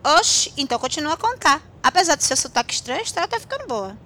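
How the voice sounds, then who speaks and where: An inquisitive, teasing female friend played by a woman in an audio drama. Her voice is high and bright, with lively swings of intonation and an informal, chatty way of talking. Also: fast, exaggerated voice. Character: curious, teasing female listener to a friend's tale. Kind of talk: scripted audio drama, conversational.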